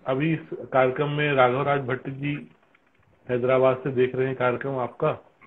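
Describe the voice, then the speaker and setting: A man's voice: mid-range voice, little pitch movement, normal speed, slight background noise. A man hosting a conversational interview, often giving short encouraging replies. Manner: encouraging, frequent affirming interjections. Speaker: interview host. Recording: tinny phone-like call audio.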